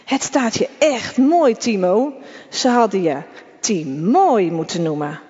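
A woman's voice: mid-range voice, animated, takes it slowly, warm tone, big-room sound, muffled recording. A woman voicing a mean schoolboy bully in a read-aloud story, taunting and mocking.

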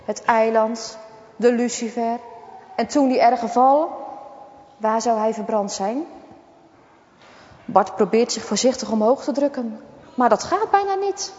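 A woman reading a children's story aloud in a lively, dramatic way. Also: fairly high pitch, unhurried, long pauses. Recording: dull, echoey recording.

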